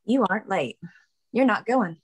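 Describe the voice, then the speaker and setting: A woman plays a bold small-town young woman in a drama table read. She is playful and self-assured, teasing in a medium-pitched voice. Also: lively intonation, normal speed, breathy edge.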